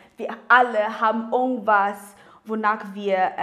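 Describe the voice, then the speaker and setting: A woman speaks with a non-native accent at a fairly high pitch. Her intonation is monotone and flat. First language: not German (speaking German). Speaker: computer science student. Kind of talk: interview.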